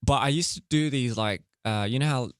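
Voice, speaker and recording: A young man chatting candidly as an interview guest, loose and relaxed, full of fillers and laughing easily. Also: mid-range voice, fairly quick, no room sound, clean studio sound. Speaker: interview guest, music artist and director. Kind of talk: casual interview chat.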